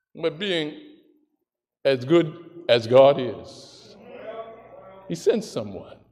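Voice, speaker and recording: A man with an American accent and a fairly high pitch, very slow with long, frequent pauses, lively intonation and big swings in loudness. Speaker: guest preacher. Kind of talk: sermon; preacher's testimony, fervent and rising, call-and-response cadence. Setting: church. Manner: animated.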